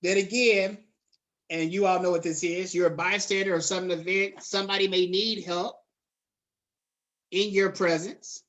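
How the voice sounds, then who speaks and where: A man's voice: high-pitched, fairly even intonation, moderate pace, a bit bright, muffled recording. A middle-aged man giving a classroom lecture in a conversational way, slipping into casual slang. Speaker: college lecturer.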